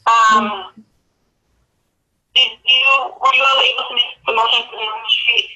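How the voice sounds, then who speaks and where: A woman's voice: fairly high pitch, steady tone, a little slow, pushed and bright, dull audio. A woman heard over a speakerphone, calling into a town meeting and explaining plainly with some hesitant restarts.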